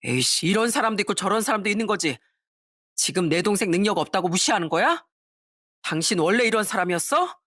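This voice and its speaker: A woman's voice: mid-range voice, lively intonation, fast talker, a bit bright, no echo. An irritable, self-centered husband complains and snaps at his wife, as a woman reads his lines. Dry and close sound, in an audio story. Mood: defensive.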